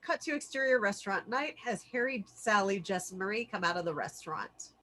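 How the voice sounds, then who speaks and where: A woman acts as narrator for a script read. She has a medium-pitched, bright, crisp-edged voice and reads out stage directions. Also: expressive, fairly quick.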